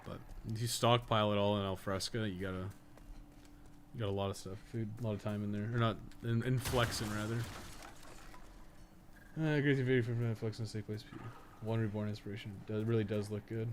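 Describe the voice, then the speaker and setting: Male game streamer, lowish voice, casual rambling commentary, slangy and profane, audible ambient noise behind. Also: little pitch movement, fairly quick. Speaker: game livestreamer. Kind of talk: casual gameplay commentary, chatting while playing.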